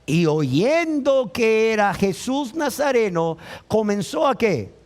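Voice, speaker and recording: A man preaches from the pulpit in a high-pitched voice. He delivers his sermon with passion and urgency, often taking on the voices of the people in the story he tells. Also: sing-song, takes it slowly, darkish tone. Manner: impassioned preaching, acting out voices of the crowd and the blind man. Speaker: pastor.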